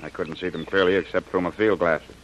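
An actor playing a confident male outpost scout reporting quickly and surely, in old radio drama style. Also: deep voice, steady tone, highs cut off, slight background noise, natural voice.

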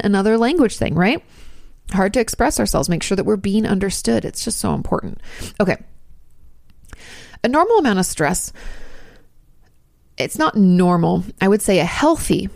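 A woman's voice: fairly low pitch, vocal fry, a little mellow, no echo, studio quality. A woman in her thirties hosting her channel, answering viewer questions in a chatty, rambling way with asides and restarts. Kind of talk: casual advice talk.

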